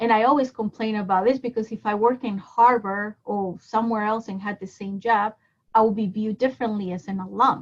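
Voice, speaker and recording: In a Spanish accent, a woman talks at a fairly quick pace with a fairly high pitch, fairly even intonation, and big swings in loudness. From Colombia. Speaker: university staff member. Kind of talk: panel discussion.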